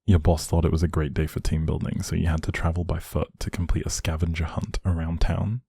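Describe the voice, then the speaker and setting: A man acting as a deep, husky, doting boyfriend. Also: level tone, brisk, dry recording, exaggerated voice. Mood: attentive, gentle. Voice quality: low, soft, husky, creaky. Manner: affectionate, gently teasing. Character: doting, playfully teasing young adult boyfriend. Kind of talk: intimate boyfriend roleplay audio, one-sided conversation.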